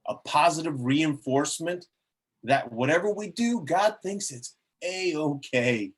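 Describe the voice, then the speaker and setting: A man playing a glib Catholic cardinal in an amateur script reading, speechifying like a salesman with a husky voice. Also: on the high side, animated, unhurried. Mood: persuasive. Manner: salesmanlike, oratorical. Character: smooth, glib Catholic cardinal pitching a church rebrand.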